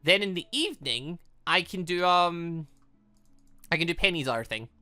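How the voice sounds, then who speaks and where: A man's voice: on the high side, animated, moderate pace, bright, forceful tone. A man doing let's-play commentary on a game, rambling and thinking aloud as he goes. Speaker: gaming video host.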